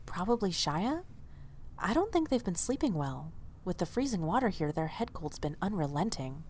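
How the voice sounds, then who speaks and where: A woman's voice: lowish voice, very animated, moderate pace, a little mellow, slight background noise. A woman playing an earnest, loyal young diner waitress in audio drama dialogue, speaking expressively and a little hesitantly. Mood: casual explaining.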